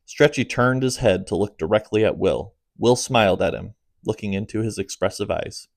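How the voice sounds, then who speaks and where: Low-voiced man narrating an audiobook. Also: moderate pace, vocal fry, no room sound, clean studio sound. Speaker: author narrating his own audiobook.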